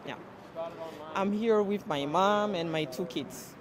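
A woman from West Africa speaking slowly and earnestly in a street interview at a celebration. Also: mid-range voice, a crowd in the background. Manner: slow, thoughtful, earnest. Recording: noisy outdoor field recording.

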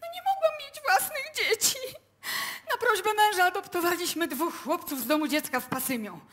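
A woman's voice: very high-pitched, lively intonation, normal speed, sharp tone, exaggerated voice. An actress playing a dramatic, emotional widowed mother in a live radio play. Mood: distraught. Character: distraught adoptive mother, mayor's emotional widow.

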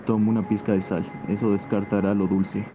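A man voicing a proud, deadpan hedgehog in a cartoon fan dub, speaking pompously. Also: fairly low pitch, brisk, slight background noise, natural voice. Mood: self-assured. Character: deadpan, proud male hedgehog who cooks. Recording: dull muffled sound, loud music behind.

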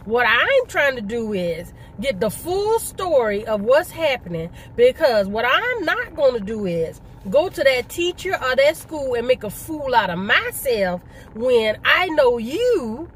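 A woman's voice: high-pitched, sing-song, measured pace, a bit bright, slight background noise. A middle-aged woman chatting casually in a vlog, emphatic and fond of rhetorical questions and repetition. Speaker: vlogger. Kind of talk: casual mukbang conversation, storytelling.

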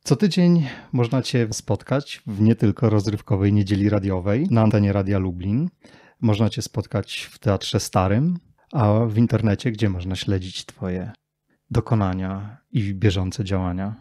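A man's voice: fairly low pitch, a little slow, mellow, no room sound, studio quality. A man, speaking as a podcast host. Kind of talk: podcast introduction and interview.

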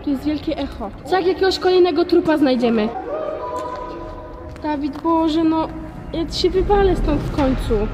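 A woman's voice: sits high, normal speed. A young woman in a spooky adventure vlog, pleading and whining in exasperation. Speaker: camera operator and co-host of a video series. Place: abandoned concrete ruins.

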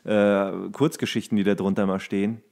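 A man's voice: lowish voice, level tone, moderate pace, a little mellow. Jokey man in casual podcast chat. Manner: jokey, teasing, colloquial. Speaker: podcast co-host and actor.

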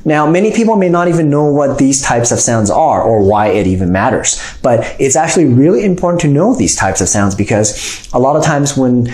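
A man's voice: medium pitch, animated, fairly quick, a little mellow. A man in his forties teaching an instructional phonics lesson in an explanatory way, often checking in with "okay?". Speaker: reading teacher. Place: small room indoors. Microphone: lapel mic. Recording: roomy, echoing indoor sound.

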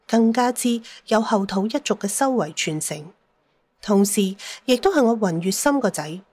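A woman acts out a middle-aged mother of a mystic clan in an audio drama. She is solemn yet loving. Her mid-pitched voice is measured and earnest, as if handing down a duty. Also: darkish tone, lightly acted. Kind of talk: Cantonese audio drama acting.

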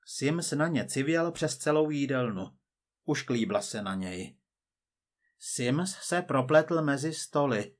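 A man reading a short story aloud in an even, unhurried narrating style. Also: medium pitch. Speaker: reader. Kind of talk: scripted narration.

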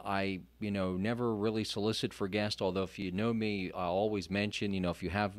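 A man's voice: on the low side, no room sound. A man hosting a Christian radio interview program, earnest and rambling, with frequent restarts. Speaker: radio show host. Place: radio studio.

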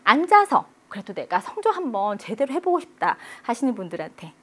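A woman's voice: on the high side, big pitch swings, brisk, a bit bright. A woman teaching a language lesson, explaining tones and sounding each one out in long drawn vowels. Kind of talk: online exam-prep lecture.

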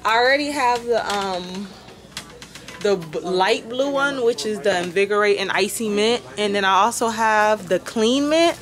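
A woman's voice: mid-range voice, measured pace, fairly bright tone. A young woman vlogging, chatting casually to viewers, filmed on a phone held at arm's length. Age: young adult. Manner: chatty, addresses viewers as y'all, laughs often. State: slightly raspy from yelling at a concert. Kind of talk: casual vlog chat. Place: inside a car, then in a store. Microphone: handheld phone camera at arm's length. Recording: background noise from car and store.

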